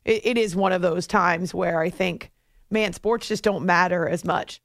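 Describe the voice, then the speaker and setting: A woman hosting a sports radio show in a chatty, animated monologue from a studio. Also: fairly low pitch, measured pace, gravelly, no echo. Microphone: close studio microphone.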